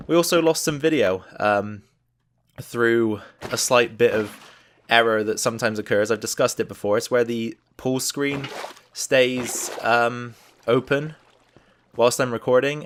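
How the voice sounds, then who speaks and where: A man's voice: mid-range voice, fairly bright tone, slight background noise. A man giving casual gameplay commentary as a let's play host, thinking aloud and explaining each step as he goes.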